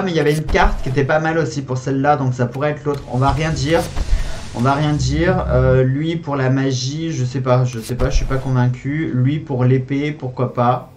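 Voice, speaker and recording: A man's voice: mid-range voice, a little mellow, slight background noise. A man hosting a gaming video, giving casual commentary on a board game as he plays, thinking aloud with hesitations and repeats.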